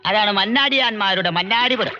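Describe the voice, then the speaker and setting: An actor playing an ominous village storyteller who drawls and chuckles. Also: male voice, high-pitched, moderate pace, sharp tone. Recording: dull film soundtrack with faint music.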